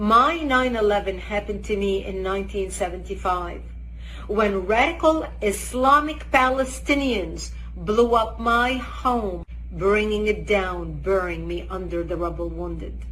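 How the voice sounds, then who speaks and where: Noticeable background noise and audible room echo surround a passionate tone delivered at a fairly slow pace. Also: woman. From Lebanon. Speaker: activist speaker. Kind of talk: personal testimony speech.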